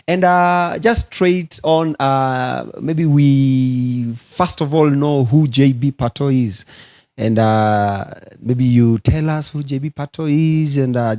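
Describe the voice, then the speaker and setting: A man hosting a studio talk show, greeting his guest with animated, drawn-out emphasis. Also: mid-range voice.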